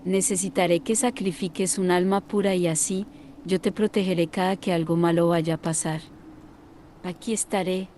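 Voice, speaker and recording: A woman's voice: lowish voice, fairly even intonation, moderate pace, dark tone, a little hiss or hum, close to an everyday voice. A woman voicing a huge male demonic black cat who bargains for souls in a horror story. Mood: solemn bargaining.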